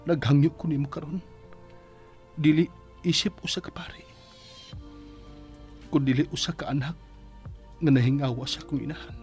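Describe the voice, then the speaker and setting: A man's voice: a little high, moderate pace, pauses often, a little mellow, soft background music, lightly acted. A Bisaya Filipino man playing an anguished priest who prays with pleading, reverent emotion in a radio drama. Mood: pleading, fearful. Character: anguished priest praying for his sick mother. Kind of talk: Bisaya radio drama acting, prayer monologue.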